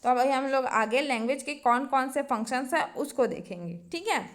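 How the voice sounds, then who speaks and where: A woman's voice: high-pitched, expressive, moderate pace. A woman teaching an exam-prep lesson, reading each point from her notes, then restating it simply and checking in with the class often.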